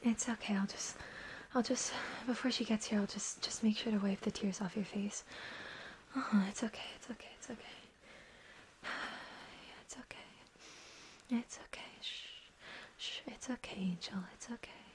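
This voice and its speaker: A young woman performing a whispered audio roleplay, voicing an anxious, apologetic young woman who soothes a crying partner in hushed, repetitive murmurs. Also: medium pitch, steady tone, normal speed, natural voice. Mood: hushed, soothing.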